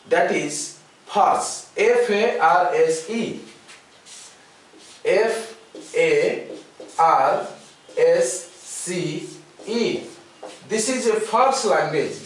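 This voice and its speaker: A man with an Indian English accent lectures slowly and deliberately in a fairly high voice. He spells out letters and repeats key words. The sound is very echoey and comes from some distance off the mic. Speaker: teacher. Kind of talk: classroom lecture. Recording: very echoey room, mic far off.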